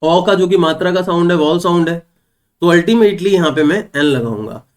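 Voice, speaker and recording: A young man giving an online exam-prep English lesson, explaining step by step and asking and answering his own questions. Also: high voice. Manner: reads English example sentences slowly and clearly. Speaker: English teacher.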